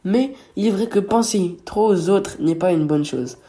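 A man's voice: high-pitched, moderate pace, dark tone. A man co-hosting a radio show about words, reading his part and teasing his partner playfully. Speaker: co-host of a word radio show. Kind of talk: scripted radio chat with teasing banter.

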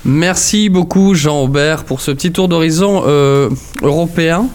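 A man's voice: a little high, normal speed, a little mellow. A man from France hosting a local radio show, moving things along with short, friendly questions. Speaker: radio host.

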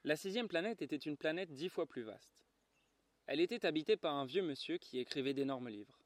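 A man calmly reading a children's novel aloud in a garden, in a measured storytelling manner. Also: fairly high pitch, no room sound. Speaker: reader. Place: garden, outdoors.

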